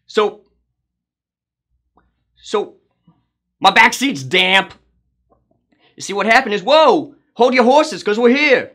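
A man's voice: high voice, lively intonation, slow, long pauses, a bit bright, heavily acted. A man playing an overeager, awkward rideshare driver in a comedy sketch, making nervous, stop-start small talk. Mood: eager, awkward. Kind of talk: comedy character monologue.

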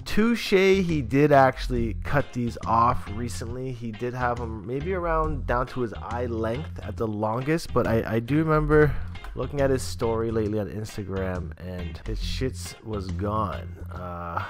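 A man's voice: mid-range voice, unhurried, faint music behind. A young man hosting a casual vlog, chatty and laid-back, talking from a small room at a desk mic. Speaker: vlogger reviewing dreadlocks.

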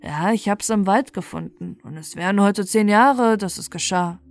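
A woman's voice: mid-range voice, normal speed, natural voice. A woman voicing an honest male woodcutter in a fairy tale, speaking earnestly.

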